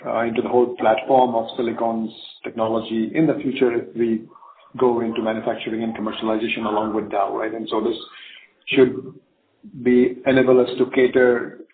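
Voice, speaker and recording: Confident male executive on a phone line. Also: medium pitch. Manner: confident, emphatic, often ends phrases with "right?". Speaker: company executive answering analyst questions. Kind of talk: earnings call Q&A, spontaneous business talk. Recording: narrow, phone-like conference call line.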